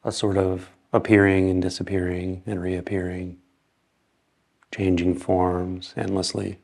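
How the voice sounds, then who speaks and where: Low, creaky-voiced man guiding meditation. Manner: slow, calm, with long pauses between short phrases. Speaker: meditation guide. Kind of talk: guided meditation.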